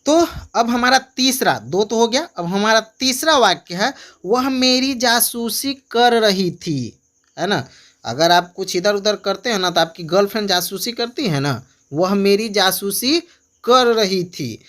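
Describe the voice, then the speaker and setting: A man runs a relaxed online English class. He speaks in a chatty, coaxing way and stretches out each example phrase slowly so viewers can repeat it. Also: high voice. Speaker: English tutor. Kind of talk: casual online teaching.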